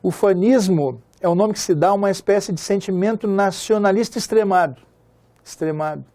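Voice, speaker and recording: Brazilian man, literature teacher, chatty, slightly high mellow voice. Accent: Brazilian Portuguese. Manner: chatty, asks class for agreement; slows to recite poem lines. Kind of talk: literature lesson.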